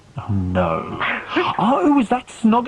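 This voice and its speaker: A man talks in an upbeat tone with a high-pitched voice. Noticeable background noise runs underneath. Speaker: radio DJ. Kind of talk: radio show hosting. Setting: radio broadcast. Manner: upbeat, jokey.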